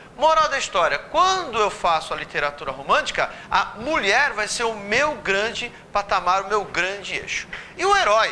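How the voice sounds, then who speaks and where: A man's raised, projected, high-pitched voice with a Brazilian accent, an animated tone and very wide pitch swings, with noticeable background noise and audible room echo. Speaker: teacher. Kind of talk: lecture. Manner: fast.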